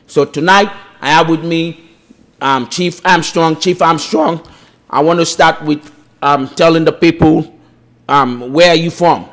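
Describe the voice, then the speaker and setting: A man's voice: a little high, measured pace, fairly bright tone. A man hosting an interview podcast, welcoming guests formally and asking plain conversational questions. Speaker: podcast host.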